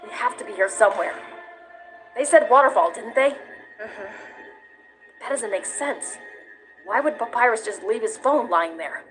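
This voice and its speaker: Brash warrior woman played by a female actor, energetic and protective, higher-pitched, emphatic comic dub drama. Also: unhurried, long pauses, faint music behind, poor audio. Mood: worried, puzzled.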